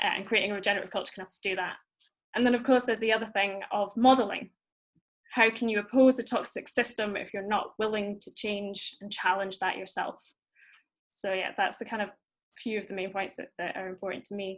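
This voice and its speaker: With a Scottish accent, a woman talks at a fairly quick pace and medium pitch with fairly even intonation and big swings in loudness. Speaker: activist, former regenerative culture coordinator. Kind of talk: presentation on video call. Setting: video call from home. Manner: fast.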